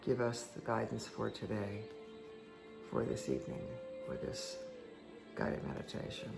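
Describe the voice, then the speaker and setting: A woman with a croaky voice giving a casual, chatty tarot card reading that speaks directly to the listener. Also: very deep voice, huge pitch swings, a little slow. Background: background music.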